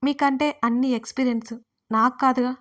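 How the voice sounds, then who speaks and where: A woman's voice: high-pitched, fairly even intonation, a little fast, natural voice. A woman doing a sulky, teasing young wife. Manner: teasing, pointed.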